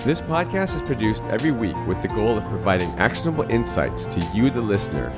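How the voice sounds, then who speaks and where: A man's voice: fairly low pitch, big pitch swings, fast talker, loud music behind the voice. A man hosting a podcast, reading a polished intro and then asking questions with some fillers. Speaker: podcast host. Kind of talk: scripted intro, then casual interview questions.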